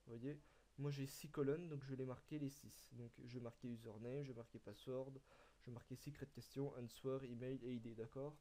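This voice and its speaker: A young man explaining a coding tutorial step by step, halting and filling pauses with hesitations as he types. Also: mid-range voice, fairly even intonation, mellow. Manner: halting, full of "euh" and "donc", talks while typing. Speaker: tutorial maker. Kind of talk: screen-recorded coding tutorial.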